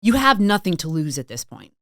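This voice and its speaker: A middle-aged woman from Massachusetts and Maine, a sales consultant and author chatting as a podcast guest, telling stories in a relaxed, talkative way. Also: lowish voice, brisk, no echo, studio quality. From Massachusetts and Maine, USA. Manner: chatty, storytelling, frequent "like" and "um". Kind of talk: casual interview chat.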